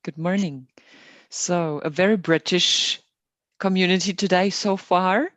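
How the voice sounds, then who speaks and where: A woman hosting an online meditation session, welcoming people in a gentle, unhurried and reassuring way. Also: lowish voice, steady tone, no echo. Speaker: meditation host. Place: online group call.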